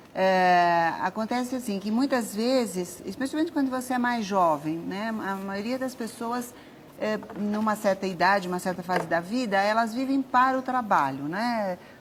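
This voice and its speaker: With noticeable background noise behind her, a woman talks at a moderate pace with fairly high pitch and lively intonation. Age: 60s. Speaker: interviewee, pedagogue and anthropologist. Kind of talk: TV interview. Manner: hesitant, many fillers.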